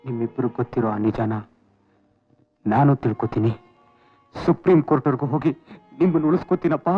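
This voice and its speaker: A man's voice: medium pitch, expressive, a little fast, breathy edge. An actor playing a young devoted son who earnestly reassures his family. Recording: dull lo-fi film soundtrack with faint music.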